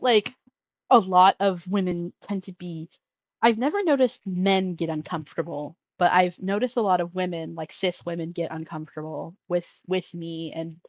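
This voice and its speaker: A trans man hosting a casual call-in show, talking in a rambling way with many restarts and trailing off quietly. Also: high voice, no room sound, low-quality recording. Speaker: podcast host taking call-ins. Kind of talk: casual conversational chat.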